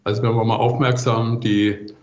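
An older man giving relaxed answers as an interview guest. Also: medium pitch, normal speed. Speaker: composer interviewed as podcast guest. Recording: muffled, roomy, echoey remote recording.

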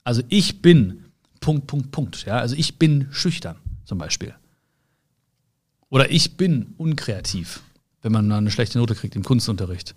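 A young man gives an earnest, casual motivational talk in a mid-range, expressive voice, taking his time. He's a personal development speaker who addresses the listener directly with rhetorical questions, sounding searching and using many fillers and restarts.

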